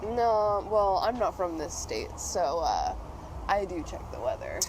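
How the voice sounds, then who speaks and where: A woman's voice: medium pitch, big pitch swings, unhurried. A young American woman chatting casually as a podcast host, recorded outdoors. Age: young adult. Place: outdoors in public at a busy drive coffee stand. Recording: noisy outdoor urban drive-through ambience. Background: outdoor ambience and vehicle noise.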